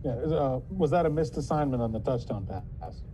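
Male reporter, remote press question, audio muffled and dull, dark tone, halting delivery. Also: mid-range voice, lively intonation, slight background noise. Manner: halting, repeats his question. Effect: muffled remote audio feed.

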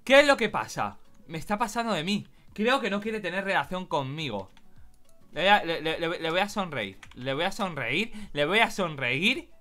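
A young man giving excitable, playful commentary while playing a game. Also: sits high, normal speed, soft background music. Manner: animated, excitable, shouts and laughs often. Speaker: gaming youtuber. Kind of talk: playful let's-play commentary.

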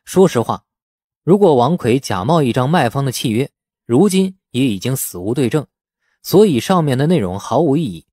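A male audiobook narrator with a mellow, warm tone and a medium pitch. He reads fiction dramatically, with lively intonation, in a dry, close recording. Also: moderate pace, no room sound. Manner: expressive storytelling. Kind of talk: dramatic scripted narration of a novel.

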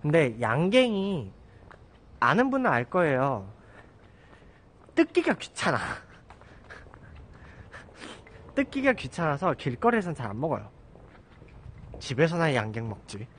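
A thirties-aged live streamer walks down a residential street, phone held at arm's length, rambling casually with self-mocking asides. His voice is a little high and sing-song, fairly bright, delivered slowly with long pauses. Slight background noise comes through.

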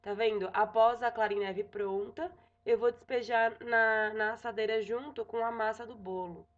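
Casual and talkative, a young Brazilian woman films a kitchen tutorial at home, repeatedly checking in with "tá?" and correcting herself as she goes. Her fairly high voice keeps a fairly even intonation at a moderate pace, carrying a Brazilian Portuguese accent over lo-fi sound.

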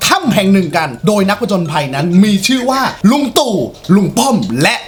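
A man's voice: high-pitched, expressive, a little fast, slight background noise. A young man hosting and telling an improvised story in a playful way, teasing his friends. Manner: playful, swears at friends, laughs often. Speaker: host and storyteller. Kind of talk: casual improvised storytelling chat.

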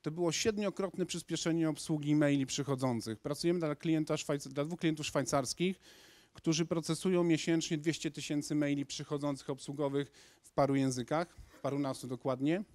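A man in his thirties gives a lively presentation to a lecture hall audience, gesturing as he talks and often restarting his sentences. His voice sits fairly high for a man. The handheld microphone gives a dry, close sound. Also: fairly quick. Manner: energetic, gesturing, with frequent restarts. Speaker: conference speaker.

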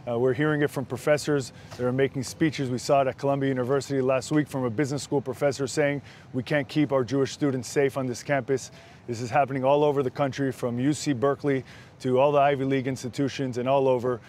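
Assertive American man, medium-pitched. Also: steady tone, fast talker, darkish tone. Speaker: interview guest, attorney. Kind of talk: assertive live interview commentary. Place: outdoor terrace in a city. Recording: outdoor broadcast, faint noise.

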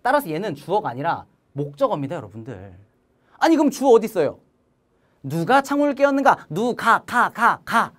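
A woman teaching an online grammar lesson, her pitch leaping up and down as she drills the class. She keeps it playful and sing-song, calling out cues to her students. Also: very animated, brisk. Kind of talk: lively online grammar lecture.

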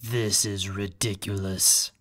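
A man's voice: lowish voice, flat delivery, slow, a bit bright. A man playing a proud, scornful young businessman in an audio drama, cold, curt and sarcastic. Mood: angry dismissal.

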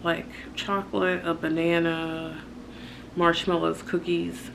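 Low-voiced American woman vlogging over noticeable noise. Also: flat delivery, takes it slowly. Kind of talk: casual vlog chat, showing items to camera. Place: hotel room, indoors. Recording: clearly noisy room sound.

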